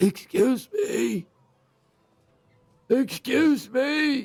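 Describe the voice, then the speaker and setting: A man puts on a character voice, pitched extremely high. It comes out croaky. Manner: calling out, trying to get attention.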